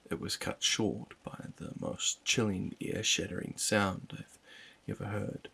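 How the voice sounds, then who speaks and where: Deep slow male horror narrator. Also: vocal fry, breathy edge. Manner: low, even, unhurried storytelling. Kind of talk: scripted first-person horror narration.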